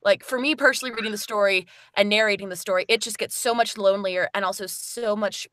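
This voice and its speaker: A woman's voice: medium pitch, fairly even intonation, fast, a bit bright. A woman, the narrator of the story, talking thoughtfully about it in a casual podcast discussion.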